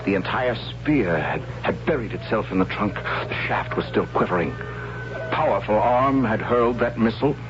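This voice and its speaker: A man's voice: lowish voice, animated, natural voice. A man acting an anxious young tribal warrior, lo-fi. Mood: solemn, fearful. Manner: dramatic, measured narrating with hesitant asides. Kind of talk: 1970s radio drama acting, first-person storytelling. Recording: dull 1970s radio recording, loud music.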